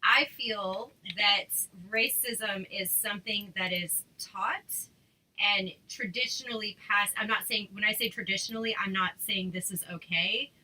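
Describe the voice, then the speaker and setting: A woman hosts a casual chat over a video call, speaking in a mid-range, bright, forceful voice at an unhurried pace. Her sentences are loose and chatty, full of fillers and frequent restarts, and the audio quality is poor.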